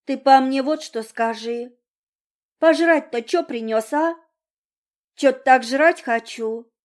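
A woman's voice: sits high, steady tone, unhurried, a little mellow, voice pushed up. A woman voicing a brash, defiant sick young girl who talks bluntly and cheekily.

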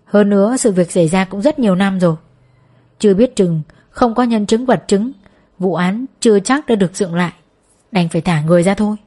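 A woman voicing an anxious young man who speaks in a steady, reassuring way. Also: mid-range voice, fairly quick, natural voice. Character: anxious young man trying to stay calm.

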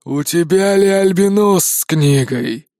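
Cowardly hyena master, voiced by a male narrator: hissing, bossy, drawn-out threats, dry. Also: sits high, warm tone, no echo. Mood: snarling.

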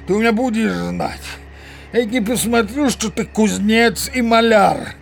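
A man's voice: high voice, unhurried, gravelly, a little hiss or hum. An actor playing a grumbling, muddled older village man in an audio drama, hesitant and blustering, muttering to himself with many interjections. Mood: indignant blustering. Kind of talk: theatrical audio drama acting.

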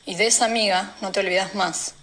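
A woman's voice: mid-range voice, fairly even intonation, fast, a bit bright, natural voice. A woman voicing a brash, fatalistic trans sex worker of twenty-seven in an audiobook-style story. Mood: blunt, fatalistic. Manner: blunt, fatalistic.

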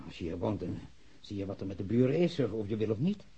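An actor playing a formal, evasive ex-convict villager being questioned by police in a radio drama. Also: male voice, on the low side, sing-song, fast, mellow, breathy edge, full character voice. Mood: defensive, evasive. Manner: stiff, precise, evasive. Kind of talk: naturalistic Dutch radio drama acting. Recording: muffled, dull radio drama recording.

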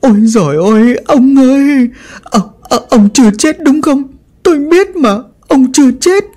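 A man's voice: very high-pitched, lively intonation, unhurried, mellow, voice pushed up, full character voice. A man voicing a frantic grieving widow who wails and shrieks in a horror story. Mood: hysterical wailing. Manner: shrieking, wailing, pleading.

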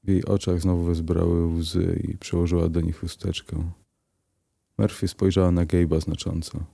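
A man narrating a crime story aloud in a calm, even reading voice. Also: low-pitched, moderate pace, gravelly. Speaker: audiobook narrator.

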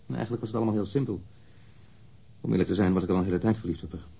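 Radio drama role: wounded, indignant man under questioning; deep, very husky, blunt delivery. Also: fairly even intonation, rapid-fire, dark tone, heavily acted. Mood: wistful, sincere. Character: defensive, wounded male lover questioned by police.

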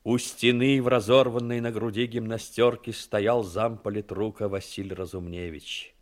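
A man's voice: lowish voice, steady tone, normal speed. Male narrator of a dramatic story.

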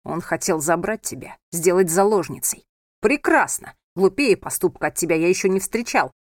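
A woman reading aloud and voicing an angry, controlling young husband who scolds his wife in a low, hard tone. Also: moderate pace, no echo, clean studio sound, close to an everyday voice. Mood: scolding. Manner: harsh, scolding, hard-edged.

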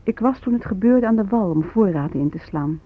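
A woman's voice: mid-range voice, expressive, brisk, phone-quality sound, natural voice. An actress playing an aggrieved Native American activist mother giving earnest, bitter testimony in a radio drama. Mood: grave, bitter.

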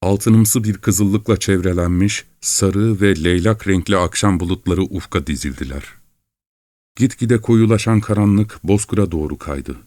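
A man with a low voice reads a story aloud at a calm, measured pace. The sound is dry and close, with no room around it. His narration stays even and unhurried. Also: dry recording. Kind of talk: audiobook narration.

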